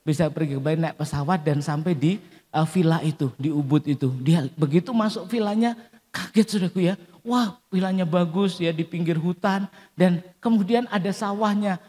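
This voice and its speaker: Male pastor, warm mellow tone, storytelling sermon, long church hall reverb. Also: high-pitched, normal speed. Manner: storytelling with acted quotes, calls and amens to the congregation.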